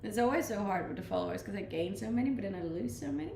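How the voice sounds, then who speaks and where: A young woman from Denmark speaks with a slight Danish accent, blended from the many countries she has lived in. She chats easily with her viewers and laughs often, and her voice has a gravelly edge. The room sounds echoey, with faint noise behind her. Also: medium pitch, expressive, rapid-fire, darkish tone. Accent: slight Danish, mixed from living abroad. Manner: laid-back, chatty, often laughing. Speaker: streamer. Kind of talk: casual chat reading live comments.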